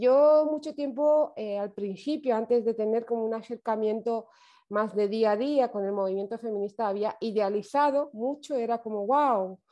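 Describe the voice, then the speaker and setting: A woman with a Romanian accent, fairly high in pitch yet dark and mellow in tone, at a moderate pace with ordinary pitch variation over a quiet background. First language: Romanian (speaking Spanish). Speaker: activist, prostitution survivor. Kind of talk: webinar talk. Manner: halting, many fillers.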